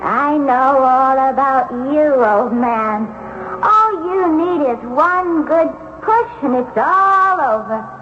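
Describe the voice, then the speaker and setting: High-voiced, rough-spoken servant. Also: female voice, slow, fairly bright tone, dull audio, soft background music. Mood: menacing, muttering. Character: resentful uneducated servant woman, muttering threats, cowed by her master. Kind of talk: old-time radio drama acting. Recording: band-limited 1970s radio recording.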